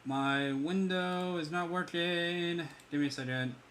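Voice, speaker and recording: A man's voice: a little high, fairly even intonation, a little slow, fairly bright tone, a little hiss or hum. A young man livestreaming while he draws viewers' characters, chatting loosely with his chat. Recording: music playing behind.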